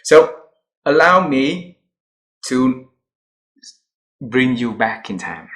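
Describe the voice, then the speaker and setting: A man's voice: medium pitch, animated, a bit bright. Guy hosting an interview, keeps restarting his questions, mid voice, nods along with words. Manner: halting, restarts questions, affirming.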